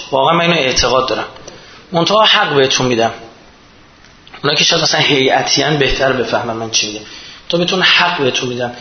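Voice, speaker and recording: A man preaching a religious sermon, building to impassioned, emphatic peaks. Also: mid-range voice. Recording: echoey dull lo-fi.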